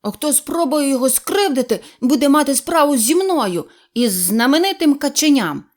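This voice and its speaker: A boastful little duckling hero of a storybook, played by a woman reader, proud and bossy. His voice sits a bit high and bounces lively through each line. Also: brisk.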